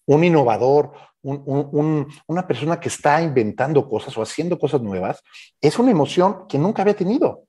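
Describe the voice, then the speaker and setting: A man's voice: fairly high pitch, animated, fairly quick, warm tone, breathy edge. A man, a coach and interview guest, explaining informally with examples and rhetorical questions.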